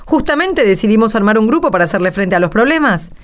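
A woman's voice: medium pitch, sing-song, quick pace, close to an everyday voice. An actress playing a conciliatory woman from a workshop group in a radio play, with a Rioplatense accent. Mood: placating. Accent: Rioplatense Spanish. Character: conciliatory woman, novice buyer and seller for workshop. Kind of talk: radio play acting, conversational.

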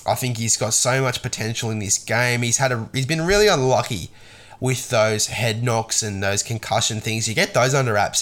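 A man's voice: medium pitch, fairly bright tone. A man with an Australian accent hosting a solo sports news podcast, talking casually and with strong opinions, his voice nasal and congested from a cold. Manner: casual, opinionated, many ums and restarts. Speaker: podcast host.

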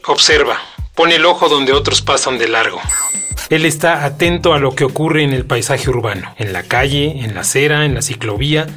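A man's voice: medium pitch, a bit bright. A man hosting a podcast, reading an introduction and then chatting in an upbeat way. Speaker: podcast host. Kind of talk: scripted introduction and casual conversation.

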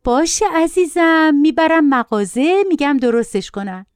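A woman's voice: high voice, lively intonation, no echo, studio quality, voice pushed up. A woman voicing an indulgent mother who pleads sweetly with her screaming son. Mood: doting. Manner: sugary, pleading, slow.

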